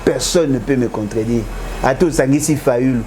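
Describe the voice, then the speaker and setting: A man's voice: mid-range voice, moderate pace, darkish tone, a little hiss or hum. A man arguing politics in a heated debate, lecturing and insisting he cannot be contradicted, mixing French and Lingala. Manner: argumentative, lecturing, switches between French and Lingala. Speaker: political commentator.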